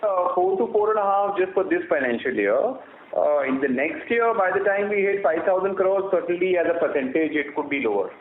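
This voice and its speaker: A man with an Indian accent answering as a company executive on an earnings call, formal and measured, with hesitant phrasing. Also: sits high, expressive. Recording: roomy, band-limited phone line with noise.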